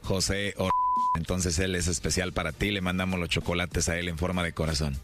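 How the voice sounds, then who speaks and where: Man, very deep voice, flirty smooth salesman patter, faint music underneath. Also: flat delivery, brisk, a bit bright. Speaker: radio prank caller. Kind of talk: flirty prank phone call.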